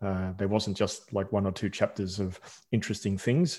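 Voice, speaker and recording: In an Australian accent, a man speaks at a moderate pace and fairly low pitch with a dark, mellow tone and ordinary pitch variation, on a very clean recording with a silent background. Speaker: podcast co-host. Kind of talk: casual interview. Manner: halting.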